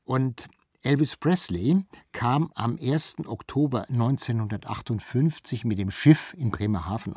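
A man's voice: medium pitch, warm tone, slightly rough, dry recording, studio quality. A man explaining cultural history in a conversational, informative way. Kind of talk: explanatory spoken commentary on history.

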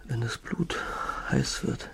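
A man in a radio play acting a sick, feverish, exhausted father who speaks in halting, terse phrases with a breathy, weak voice. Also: lightly acted. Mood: weak, subdued. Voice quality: breathy, creaky whisper. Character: feverish, weakening father in a snowbound cabin.

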